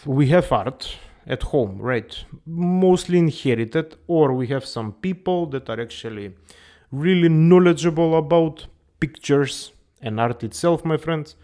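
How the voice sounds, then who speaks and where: A man's voice: fairly high pitch, animated, measured pace, mellow. A man hosting a comedic finance show, playful and exaggerated, repeating "my friends" again and again. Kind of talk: comedic character monologue.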